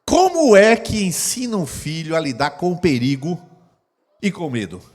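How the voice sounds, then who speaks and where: A man's voice: fairly high pitch, big pitch swings, normal speed, darkish tone. A middle-aged man preaching a sermon as pastor, acting out scenes with sound effects. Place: church hall. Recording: long hall reverb.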